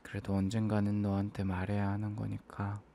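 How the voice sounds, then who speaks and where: Low, hushed man in ASMR role-play. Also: monotone, a little fast, creaky, a little hiss or hum. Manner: soft, hushed, intimate, hesitant murmur. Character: apologetic, self-blaming young boyfriend murmuring to sleeping girlfriend.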